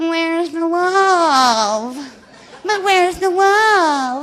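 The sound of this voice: A put-on character voice, whiny in tone and nasal, sits at an extremely high pitch. It moves at a very slow pace with a whiny sound.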